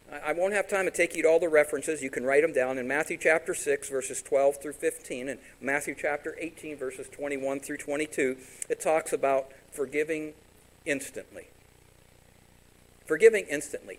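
A man preaching a sermon as pastor, animated and direct, sometimes voicing imagined congregants. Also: on the high side, a little fast, low-quality recording.

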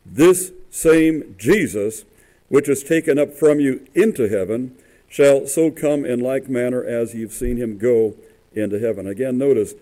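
Guy preaching in church, rough voice, lots of uh and restarts, mid pitch. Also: warm tone, low-quality recording. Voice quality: halting, with many fillers and restarts. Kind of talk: sermon. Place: church sanctuary.

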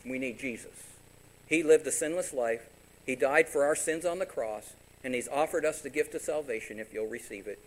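A man preaching a sermon as pastor, animated and direct, sometimes voicing imagined congregants. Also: medium pitch, moderate pace, rough recording.

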